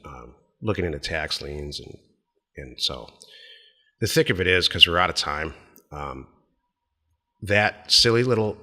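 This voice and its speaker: Deep-voiced American man, bright and forceful. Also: in a large hall. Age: middle-aged. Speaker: podcast co-host. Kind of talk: casual business podcast chat.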